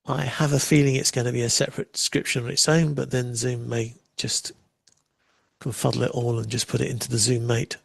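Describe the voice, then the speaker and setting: A man hosting a live software demo, chatting casually and making wry asides while he waits. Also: mid-range voice, flat delivery, a little fast, gravelly, breathy edge, no echo. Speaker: livestream host demoing software.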